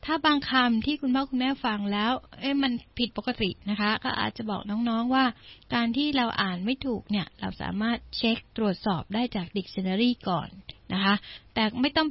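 A woman's voice: mid-range voice, gravelly, no echo, highs cut off. A woman English teacher reading a children's story and patiently explaining each word for her listeners. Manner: patient, explains words one by one. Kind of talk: bilingual storytelling lesson for listeners.

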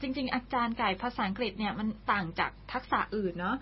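A woman's voice: medium pitch, fast talker, slight background noise. A woman with a Thai accent co-hosting a radio English lesson, chatting and often agreeing with the teacher. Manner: chatty, frequent agreeing interjections. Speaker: radio co-host. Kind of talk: casual co-hosted lesson chat. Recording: dull lo-fi broadcast sound.

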